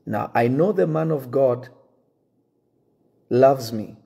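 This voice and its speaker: A native French-speaking pastor in his thirties addresses his congregation directly to camera, his mid-range voice dark, mellow, expressive and slightly husky. Earnest and measured, he often restarts sentences to find the right words. He is recorded close up on a phone in an indoor room with wooden shelves.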